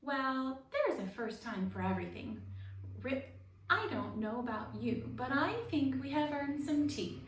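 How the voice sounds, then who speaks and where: A grand storybook frog thespian, male and courtly, acted out by a woman. The delivery is stately and declamatory, with drawn-out words and elaborate diction. The voice sits fairly high and is picked up in an echoey room, away from the mic. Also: expressive. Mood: courtly, theatrical. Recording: roomy echo, distant mic, faint noise.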